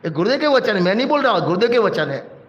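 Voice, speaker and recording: A man's voice: sits high, sing-song, very fast, fairly bright tone, highs cut off. A man with a Gujarati accent giving a religious sermon as a pandit, exhorting his listeners, telling stories with everyday examples and asking them questions. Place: religious hall.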